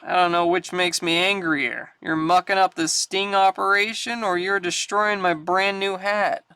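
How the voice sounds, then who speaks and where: A man's voice: sits high, flat delivery, unhurried, bright, forceful tone, smooth, no room sound, heavily acted. A man voicing an indignant male undercover agent in a read-aloud comic. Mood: exasperated. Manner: indignant and exasperated.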